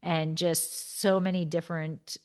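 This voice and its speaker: A woman's voice: fairly low pitch, flat delivery, a little mellow. Jersey woman hosting a podcast, chatty, laughs a lot, reads reviews kinda stumbly. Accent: New Jersey. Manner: chatty, laughs often, reads aloud haltingly. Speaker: podcast host. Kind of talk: casual chat reading out reviews.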